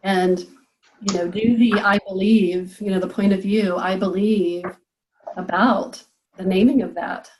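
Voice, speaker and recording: A woman's voice: medium pitch, fairly even intonation, a little slow, slight background noise, poor audio. A woman business coach leading a group coaching call, encouraging and thinking aloud with frequent fillers.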